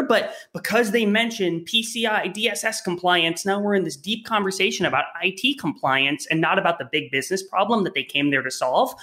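Higher-voiced male co-host. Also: bright, forceful tone. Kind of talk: interview questions.

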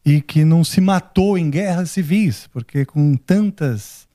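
A man hosts an interview in a chatty, encouraging way and likes to muse aloud between questions. His voice is fairly high for a man and mellow in tone. The recording sounds dry and close. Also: measured pace, no room sound. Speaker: podcast host. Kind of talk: casual interview.

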